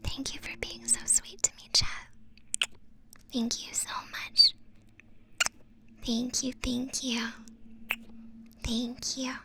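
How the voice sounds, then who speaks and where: Softly whispering playful young woman. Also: fairly high pitch, little pitch movement, takes it slowly, long pauses. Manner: soft whispering, playful and teasing. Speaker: VTuber streamer. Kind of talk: whispered ASMR-style live stream chat. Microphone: close microphone.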